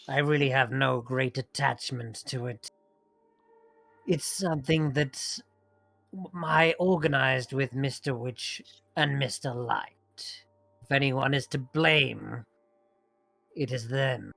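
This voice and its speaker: Guy doing a creaky old hag villainess for a tabletop game, slow theatrical menace, condescending, super dry recording. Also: medium pitch, pushed and bright, dry recording, faint music behind, heavily acted. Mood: oily, bargaining. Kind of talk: tabletop role-play.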